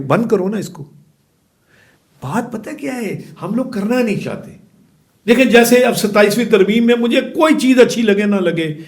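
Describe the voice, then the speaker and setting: A middle-aged man from Pakistan, a former chamber of commerce president, giving emphatic interview answers that swing from forceful outbursts to low, quiet remarks.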